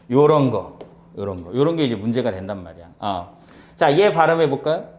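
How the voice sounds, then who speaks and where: Lively, high-pitched male lecturer. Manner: rhetorical questions answered himself, emphatic repetition. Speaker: civil service exam Korean lecturer.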